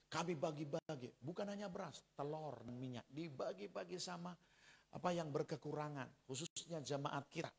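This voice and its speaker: A man's voice: fairly high pitch, normal speed, vocal fry, breathy edge. A man, preaching a sermon as a pastor and telling stories straight to the congregation. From Central Java, Indonesia. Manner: animated storytelling, addressing the congregation directly.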